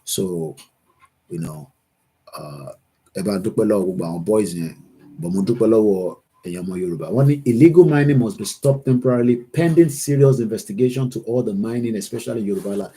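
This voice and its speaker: A man's voice: lowish voice, a little fast, dark tone, husky, low-quality recording. A Nigerian man with a Yoruba accent hosts a political livestream, switching between English and Yoruba as he reads out viewer comments. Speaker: host of an online political livestream.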